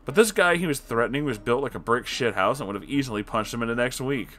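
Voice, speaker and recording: A man's voice: mid-range voice, lively intonation, fast, a bit bright. A man reading an online story aloud, adding sarcastic asides of his own between passages. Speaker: story reader.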